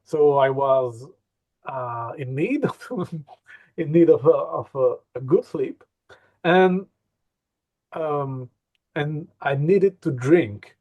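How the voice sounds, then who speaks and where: Slow-talking, fairly high-voiced man. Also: a little mellow. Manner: hesitant, many fillers and repeats. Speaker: hypnosis trainer. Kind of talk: casual interview storytelling.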